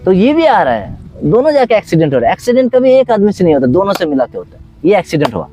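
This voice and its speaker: A man who teaches dance talks in a high, wide-ranging voice, switching into little acted scenes as he makes his point. He speaks outdoors in a philosophical conversation, with faint music behind him. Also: fast talker, rough recording. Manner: animated, acts out little scenes in other voices. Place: outdoors under a tree.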